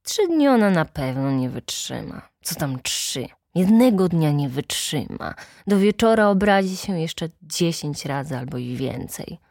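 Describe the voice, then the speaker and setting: A woman's voice: low voice, sing-song, unhurried, few pauses, darkish tone, no echo, clean studio sound, heavily acted. A woman voicing a tiny, hungry, mischievous male imp who nags insistently, in a children's storybook reading. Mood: self-consoling. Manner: nagging, insistent.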